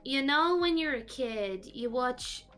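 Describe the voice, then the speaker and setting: Guest spot: fairly high woman's voice, rambling and halting, soft music underneath. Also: lively intonation, smooth. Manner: rambling, halting, many fillers. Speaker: VTuber guest. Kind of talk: casual interview chat.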